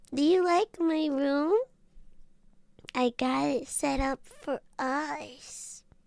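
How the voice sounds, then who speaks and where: The voice is quiet and very slow, with long, frequent pauses, ordinary pitch variation, and a dry, close sound with no echo. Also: woman, high pitch for a woman. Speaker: VTuber streamer. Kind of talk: live stream chat. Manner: talking in an altered, quieter way.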